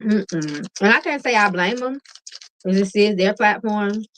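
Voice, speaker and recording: Bright-voiced woman chatting on a livestream. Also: mid-range voice, unhurried, poor audio. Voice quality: calming voice. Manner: relaxed, chatty, laughs often, addresses viewers as y'all. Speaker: tarot reader and livestream host. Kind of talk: casual livestream chat with viewers.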